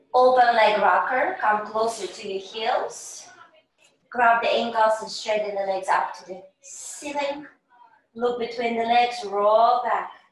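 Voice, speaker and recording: At a fairly slow pace, a woman speaks in a fairly high voice with ordinary pitch variation, with audible room echo and light background noise. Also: big swings in loudness. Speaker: fitness instructor. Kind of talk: live fitness class instruction, cueing exercises and counting reps. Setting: gym studio, filmed class with camera. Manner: brisk, rhythmic, clipped cueing with steady counting; encouraging, calm and paced, slowing down for stretches. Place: home room. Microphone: camera far.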